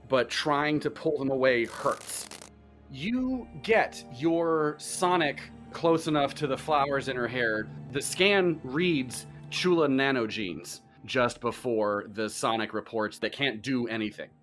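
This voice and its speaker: A man's voice: mid-range voice, fairly bright tone. A man narrating a sci-fi tabletop game as game master, setting scenes vividly in the second person. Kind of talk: tabletop role-play narration.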